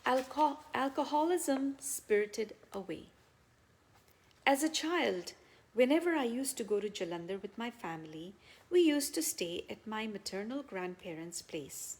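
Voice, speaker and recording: A woman reading a written devotional account aloud as narration, in measured phrases with frequent pauses. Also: on the high side, expressive, a little mellow. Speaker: reader of devotional testimonials.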